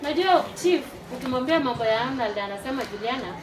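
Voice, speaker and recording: High-pitched woman from uganda, forties, pumping up a crowd, mic far off in a noisy echoey hall. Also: quick pace. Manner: lively, rallies the crowd to clap. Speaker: teacher and network marketer. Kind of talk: testimonial speech to a live audience.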